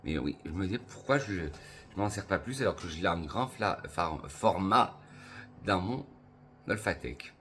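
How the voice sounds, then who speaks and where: A man from France reviewing perfumes for his channel in a casual, enthusiastic way, slowly listing notes with pauses. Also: deep voice, animated, a bit bright, a little hiss or hum. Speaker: perfume youtuber.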